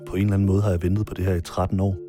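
Male documentary narrator, very low voice, monotone delivery, quiet measured telling, marimba music underneath. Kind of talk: personal scripted narration.

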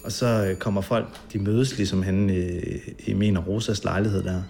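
A man being interviewed, recounting a memory in a halting way with many fillers and vivid detail. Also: low voice, steady tone, vocal fry, darkish tone, slight background noise.

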